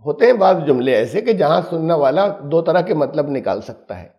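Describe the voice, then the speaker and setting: Guy teaching scripture, gravelly, kinda high, explains with examples. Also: very animated, muffled recording. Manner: explanatory, emphatic, uses everyday examples. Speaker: Quran teacher. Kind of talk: religious lesson.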